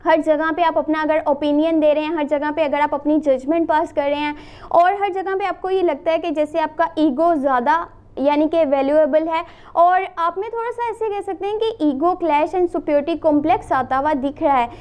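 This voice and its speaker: A woman from Pakistan, slightly hoarse from a sore throat, gives a casual tarot reading. She talks straight to the viewer, repeating and listing phrases and mixing in English. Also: high-pitched, normal speed, darkish tone. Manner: addresses the viewer directly, repeats and lists phrases, mixes in English. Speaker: tarot reader.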